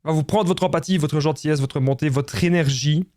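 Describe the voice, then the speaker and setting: A man's voice: a little high, fairly quick, a little mellow, no room sound, clean studio sound. A man with a Belgian French accent giving relationship advice straight to his viewers, insistent and repetitive, often calling them his friends. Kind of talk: direct-to-camera advice talk.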